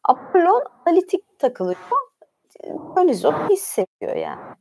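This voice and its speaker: Higher-voiced woman reading aloud, chatting informally. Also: wildly swooping pitch, vocal fry, dark tone. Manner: informal, conversational, often pausing to comment. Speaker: livestream host reading about mythology. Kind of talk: reading aloud with casual asides.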